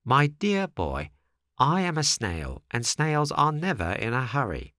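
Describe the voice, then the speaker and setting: Storybook snail, male reader acting: female, placid, motherly and unhurried, in a raised, gentle pitch. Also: vocal fry, no echo, studio quality, heavily acted. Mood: calm, patient. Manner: calm, peaceful, unhurried. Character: large female snail servant, calm, slow, unhurried, motherly.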